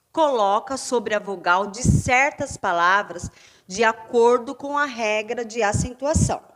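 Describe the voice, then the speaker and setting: A Brazilian woman teaching a fifth-grade class in a remote lesson, stressing syllables loudly as she sounds out words. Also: mid-range voice. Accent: Brazilian Portuguese.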